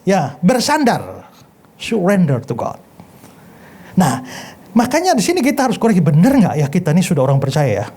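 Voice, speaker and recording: Animated man teaching a Bible lesson. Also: sits high, normal speed, long pauses, a little hiss or hum. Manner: animated storyteller. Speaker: pastor teaching a Bible class. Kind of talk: sermon-style Bible lesson with storytelling.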